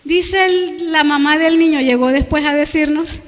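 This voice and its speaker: A woman preaching a fervent sermon in church, her voice pitched high. She keeps turning to the congregation with rhetorical questions and calls them brothers and sisters. Her words ring out with the long reverb of a church hall. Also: moderate pace. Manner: addresses listeners as brothers and sisters. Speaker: guest preacher. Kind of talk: evangelical sermon.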